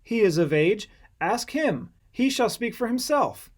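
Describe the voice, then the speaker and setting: Male narrator as cautious, evasive parent, defensive, pitched up, Bible audiobook. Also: very animated, unhurried, exaggerated voice. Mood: guarded, anxious.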